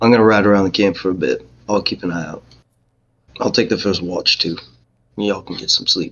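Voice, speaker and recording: Doing a put-on character voice, a man speaks at a fairly low pitch, raspy and fairly quick, with fairly even intonation and long, frequent pauses. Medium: actual play. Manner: blunt, scornful, folksy.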